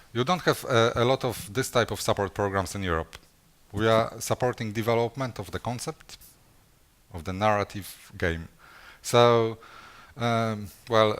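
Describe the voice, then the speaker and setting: A man's voice: medium pitch, a bit bright. A man speaking at a conference, answering audience questions in a hesitant way with many fillers and restarts. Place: conference session room.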